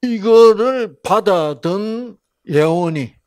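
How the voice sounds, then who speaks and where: A man's voice: high-pitched, lively intonation, slow pace, dry recording, studio quality. An older man giving a Bible lecture in storytelling style, acting out voices and asking his audience questions.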